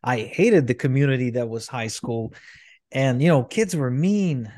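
A man's voice: medium pitch, expressive, measured pace, warm tone, no echo. Guy from ukraine, guest on a podcast, rambles, lots of um and restarts, dry close sound. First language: Russian. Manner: rambling, frequent restarts and fillers. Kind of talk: candid storytelling interview.

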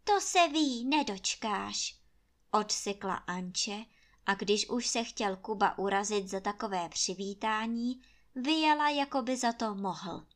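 A woman reading a storybook and voicing a lively young village woman, high and animated. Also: lightly acted. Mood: snappish. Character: lively young village woman, warm but sharp-tongued.

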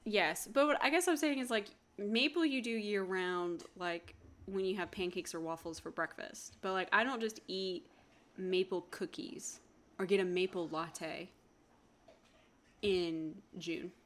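A woman's voice: mid-range voice, unhurried. A woman co-hosting a podcast in casual chat, rambling along with lots of "like" and "um". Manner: chatty, rambling, with many fillers. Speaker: podcast co-host.

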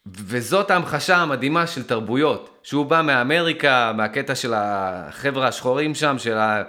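A man from Israel talking to his viewers in a casual, rambling monologue, often stopping and restarting as he thinks aloud, and getting emphatic. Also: medium pitch. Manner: animated and emphatic.

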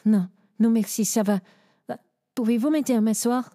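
An actress playing a gentle, troubled young psychic in an audio drama, speaking softly and hesitantly. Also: female voice, on the high side, moderate pace, no room sound, clean studio sound, lightly acted. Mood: weak. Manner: soft and hesitant.

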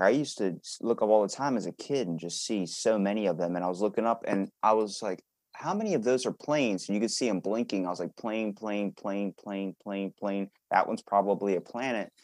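A man's voice: lowish voice, a little fast, darkish tone, no echo. A man hosting a podcast in a casual, rambling conversation, musing informally and telling little anecdotes. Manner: informal, musing, tells anecdotes with acted-out quotes. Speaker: podcast host interviewing a guest.

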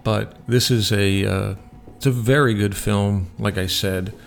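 A man's voice: lowish voice, steady tone, unhurried, vocal fry, faint music behind. A man hosting a radio show, giving film reviews.

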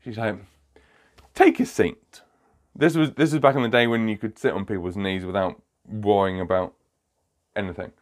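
A man's voice: on the low side, steady tone, brisk. A man hosting his own podcast as a magician, casually telling a funny story, laughing often and wandering off topic. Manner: chatty, laughs often, digresses.

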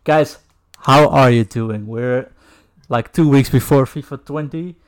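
A man hosting a casual video podcast over a call, relaxed, laughing often and filling pauses with "uh". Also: mid-range voice. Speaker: podcast host.

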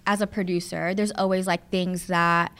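A producer and studio owner in her thirties, born in the Philippines and raised in Southern California, chats casually as an interview guest, full of fillers and asides. Her lowish voice is flat in delivery, moderately paced, a bit bright, and clean.

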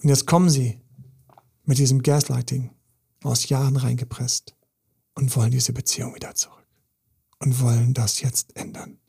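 A man's voice: medium pitch, little pitch movement, moderate pace, gravelly, long pauses, warm tone, husky. A man, a relationship coach giving an emphatic, intense podcast monologue full of repetition.

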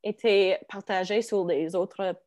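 A woman, native English speaker, chatting casually in halting French with an English-speaking accent, searching for words and slipping into English. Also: medium pitch, steady tone, a little mellow. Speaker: interview guest.

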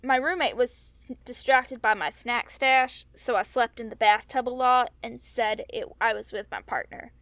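A woman's voice: fairly high pitch, steady tone, moderate pace, hardly any pauses, fairly bright tone, no echo. A woman acting in an audio drama as a wistful, frank young mer-person who is hurting and on the run. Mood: vulnerable, wry. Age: young adult.

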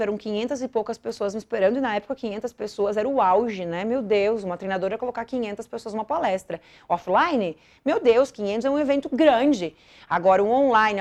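High-voiced woman telling her story. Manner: repeats phrases for emphasis, swings between hushed and intense. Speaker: podcast host and mental coach. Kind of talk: emotional personal storytelling.

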